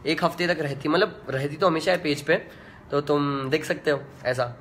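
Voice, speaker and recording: A young man, a singer, chatting casually in a fan live chat, reading out comments in a relaxed way with many fillers. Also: a little high, moderate pace, a little hiss or hum. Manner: laid-back and chatty, full of "yaar" and "matlab" fillers.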